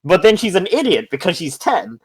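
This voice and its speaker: A man playing a tabletop game, excitable and laughing while pitching wild ideas. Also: a little fast, breathy edge. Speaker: player. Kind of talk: casual tabletop game banter.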